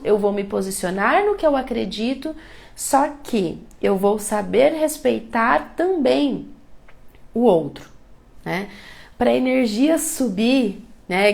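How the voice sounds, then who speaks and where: A woman with a cold and a rough, gravelly voice, teaching chakras in a live online talk and often checking in with her listeners. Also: on the high side, darkish tone. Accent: Brazilian Portuguese. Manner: explanatory, repeats questions, tag "né?".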